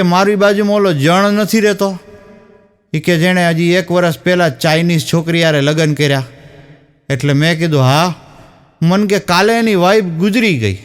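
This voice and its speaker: A man's voice: high voice, smooth. A man telling a string of jokes on stage, acting out the lines of each character as he goes. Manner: storytelling, acting out dialogue. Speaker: stand-up comedian. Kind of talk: telling jokes to a live audience.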